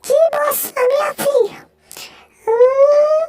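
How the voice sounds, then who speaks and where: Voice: extremely high pitch, flat delivery, extremely slow, a little mellow, exaggerated voice. A performer voicing Jerry, a small panicky male cartoon mouse, in a fan dub, with squealing yelps and wails.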